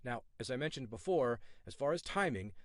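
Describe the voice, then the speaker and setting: A man reading a scripted sales pitch in a smooth, reassuring salesman manner, from the United States. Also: expressive, brisk, no room sound, clean studio sound. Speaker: ad presenter.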